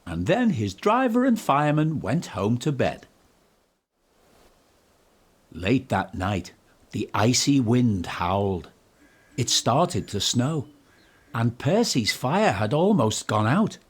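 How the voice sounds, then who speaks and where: Animated, unhurried male children's storyteller. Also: mid-range voice, husky. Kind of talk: scripted children's story narration.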